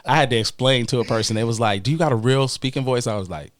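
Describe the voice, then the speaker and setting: A man's voice: mid-range voice, fast. A man hosting a podcast in casual chat, playful and often switching into different voices. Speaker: podcast host.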